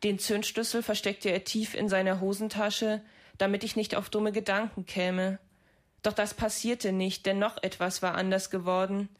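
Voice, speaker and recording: A woman reading a literary story aloud, measured and restrained. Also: mid-range voice, level tone.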